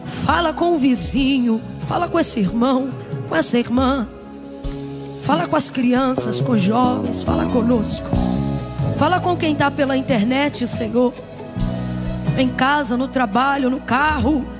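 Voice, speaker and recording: A woman pastor, leading a fervent sermon and prayer before a congregation, repeating pleas and at times shouting. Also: high-pitched, measured pace, over music. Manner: impassioned, repetitive pleading prayer, sometimes shouting. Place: church service before a congregation.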